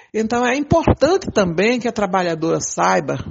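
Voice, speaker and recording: At a fairly slow pace, a woman speaks with a fairly high pitch in a somewhat breathy voice. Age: 60s. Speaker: domestic workers' union leader. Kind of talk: interview.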